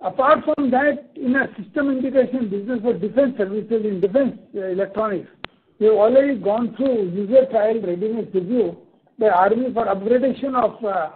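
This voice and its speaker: A man with an Indian accent, a company executive explaining the business to investors in a deliberate way. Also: sits high, slightly rough. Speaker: company executive on an earnings call. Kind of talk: answering investor questions, business briefing. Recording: tinny, narrow conference phone line.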